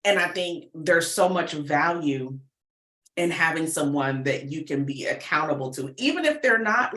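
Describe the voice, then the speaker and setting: A woman who writes and produces audio fiction appears as a podcast guest, speaking in a bright, forward yet deep voice. She's animated and informal, sprinkling her talk with slang and acted-out quotes, and the room gives the recording a noticeable echo.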